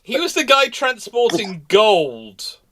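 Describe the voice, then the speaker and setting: Casting: male history livestream host, higher register, emphatic and discursive, often rewording mid-sentence. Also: very animated, slow, fairly bright tone. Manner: rambling, self-correcting. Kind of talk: casual live history discussion.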